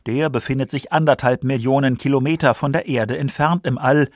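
A man's voice: mid-range voice, steady tone, a little fast, dry recording, clean studio sound. A man reading scripted science documentary narration for a radio feature.

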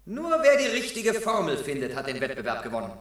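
An actor playing a theatrical quizmaster announcing a contest in a 1970s radio drama. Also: male voice, mid-range voice, wildly swooping pitch, a little fast, a bit bright, very echoey. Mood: showy. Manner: announcing, showy.

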